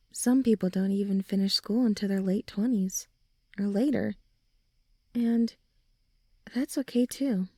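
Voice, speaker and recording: A young woman playing a supportive, gently reassuring friend in an ASMR comfort roleplay, speaking softly and soothingly. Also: mid-range voice, slow, pauses often, no echo, clean studio sound. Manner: soft, soothing, encouraging, breathy sighs and chuckles.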